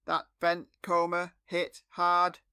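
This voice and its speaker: A robotic text-to-speech man's voice, set up as a chat bot on a stream, reading everything in a dead-flat monotone. The tone is smooth and clean with a gravelly, crackly edge underneath. The sound is dry and close, with no room around it. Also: high voice, slow pace, no echo, full character voice.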